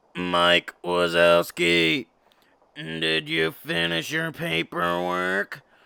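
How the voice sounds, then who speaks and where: A man in a strained, put-on character voice, very deep and low in pitch, at a very slow pace. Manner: menacing, watchful.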